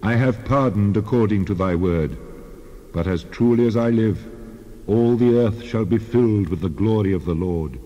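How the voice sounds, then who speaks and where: A man's voice: on the low side, normal speed, mellow, lightly acted. A man playing a stern, majestic God in a solemn, declamatory dramatized scripture reading. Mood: stern judgement. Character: God, stern majestic male divine judge. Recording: long reverb, slightly dull sound.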